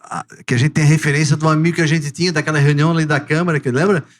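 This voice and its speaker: A man's voice: on the high side, fairly even intonation, racing. A man hosting an interview podcast, talking in a heartfelt, reflective way. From southern Brazil. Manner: heartfelt, reflective, often adds "né". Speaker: podcast host. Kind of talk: emotional interview chat.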